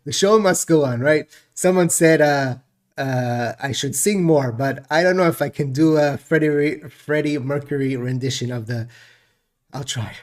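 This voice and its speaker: A man's voice: fairly high pitch, unhurried. A man hosting a casual crypto market video, chatty and rambling with jokes, sounding stuffed up. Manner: chatty, rambling, jokey with frequent laughs.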